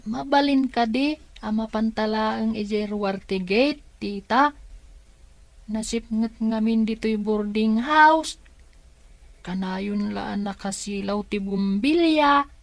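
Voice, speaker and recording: A curious child with a fairly high, unhurried voice and a Filipino Ilocano accent, acted by a woman. The child coaxes and pleads in audio drama style, in a dry recording. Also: gravelly, dry recording. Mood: coaxing.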